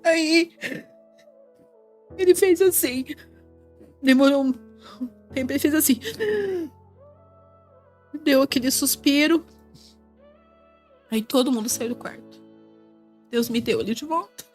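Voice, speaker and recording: Tearful high-voiced Brazilian woman. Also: slow, long pauses, a little mellow, soft background music. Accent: Brazilian Portuguese. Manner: tearful, repeats phrases, raises voice in bursts. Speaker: mother giving a faith testimony. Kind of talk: emotional spoken testimony.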